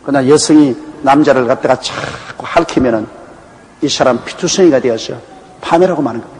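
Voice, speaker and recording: A man's voice: mid-range voice, fairly quick, a little mellow. A man from Korea's Gyeongsang province, a pastor giving a Bible exposition sermon in a folksy, anecdotal storytelling manner. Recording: echoey hall with faint background noise.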